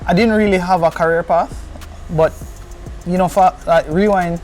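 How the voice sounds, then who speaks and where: High-voiced Jamaican man chatting. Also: steady tone, moderate pace, a little mellow, faint music behind. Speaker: interview guest, car content creator. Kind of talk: casual interview chat with patois.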